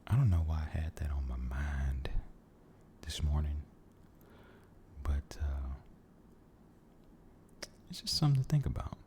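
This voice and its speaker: A man giving a soft-spoken, mostly whispered ASMR ramble, halting and gentle, repeating his phrases, close to the microphone. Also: a bass voice, big pitch swings, background noise. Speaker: ASMR video creator.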